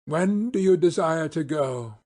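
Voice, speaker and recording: A man voicing a proud, anxious gentleman baronet in an audiobook, formal and a little plaintive. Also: on the high side, lively intonation, measured pace. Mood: hurt, reluctant. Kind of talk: audiobook character acting.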